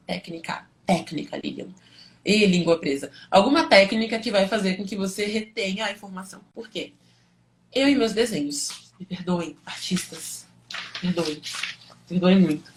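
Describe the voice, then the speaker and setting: A woman with a Brazilian accent giving an informal live lesson to students, explaining conversationally with rhetorical questions and frequent check-in tags. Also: mid-range voice. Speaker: teacher and study coach hosting a livestream.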